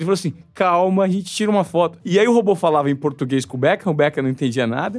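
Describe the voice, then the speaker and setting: A man's high-pitched voice at a very fast pace, with lively intonation. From interior of São Paulo state, Brazil. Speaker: sports journalist, podcast host. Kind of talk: storytelling monologue. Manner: animated.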